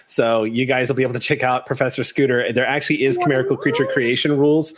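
A man's voice: mid-range voice, steady tone, fast, crowd noise. A man speaking as game master, chatting casually and praising his players effusively as he wraps up a tabletop game. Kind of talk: casual wrap-up talk after a tabletop game.

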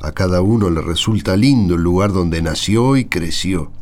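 Older rural Argentine grandfather played by a male actor, low voice, folksy and patient, reminiscing in a radio play. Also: normal speed, darkish tone, close to an everyday voice. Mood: nostalgic. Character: patient old grandfather reminiscing about his rural homeland. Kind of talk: radio drama dialogue.

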